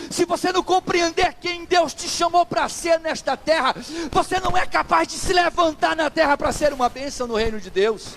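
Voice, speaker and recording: High-voiced Brazilian pastor preaching. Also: male voice, fairly bright tone, slight background noise. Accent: Brazilian Portuguese. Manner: preaching with rising intensity, acting out quoted dialogue. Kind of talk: sermon.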